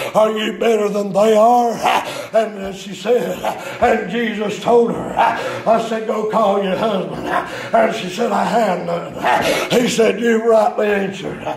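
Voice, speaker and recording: The speech moves at a very slow pace with hardly any pauses and fairly even intonation, over noticeable background noise. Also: man, high pitch for a man. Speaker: preacher. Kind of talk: sermon, retelling the Samaritan woman story with dramatic voices. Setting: church. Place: church.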